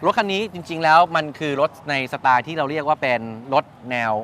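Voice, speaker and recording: Outside a shop by a busy road, with vehicle noise in the background, a male motorcycle reviewer hosts a casual interview. He talks a little fast in a fairly bright, somewhat high voice with lively intonation. He explains things and echoes the guest's answers to check them.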